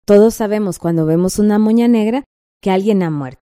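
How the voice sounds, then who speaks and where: Mellow Guatemalan woman teaching. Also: medium pitch, fairly quick. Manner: patient, checks in with "right?" often. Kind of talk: guided textbook lesson.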